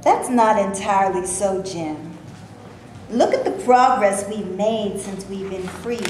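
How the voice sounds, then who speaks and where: An actress in a staged reading playing a skeptical, sardonic Black actress from the 1930s. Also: female voice, mid-range voice, lively intonation, a little slow, darkish tone, close to an everyday voice. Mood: wry. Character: Black actress of the 1930s, wary, wry and outspoken. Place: stage before a live audience. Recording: very echoey room, faint noise.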